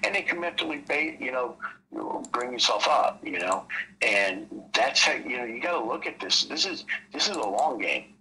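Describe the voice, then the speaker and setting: Bright-voiced man, rambling trading talk. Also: mid-range voice, expressive, moderate pace, slight background noise, poor audio. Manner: rambling, heavy use of "you know". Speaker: trading mentor. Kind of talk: casual explanatory chat on a call.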